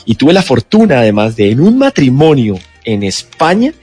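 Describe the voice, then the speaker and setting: Chatty Colombian actor, radio interview. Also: male voice, medium pitch, moderate pace, breathy edge, soft background music. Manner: relaxed, chatty, with many restarts and laughs. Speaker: guest actor. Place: radio studio.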